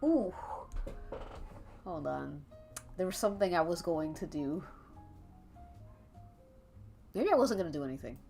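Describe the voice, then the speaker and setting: Stuffy-nosed young woman streamer, lively pitch. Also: moderate pace, vocal fry. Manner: rambling, chatty, greets chat by name, laughs often. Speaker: art streamer. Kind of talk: casual livestream chat while drawing. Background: faint calming jazz music.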